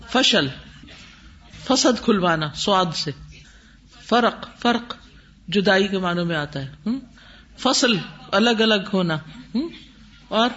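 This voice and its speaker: A man teaching a vocabulary lesson in a high, very animated voice that rises and falls. He reads each term out slowly, then explains it and checks understanding with quick questions. The recording sounds dull and lo-fi. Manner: explains word by word, asks the class questions; reads Arabic terms slowly and deliberately. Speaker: Quran teacher. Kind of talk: classroom lesson on Arabic vocabulary.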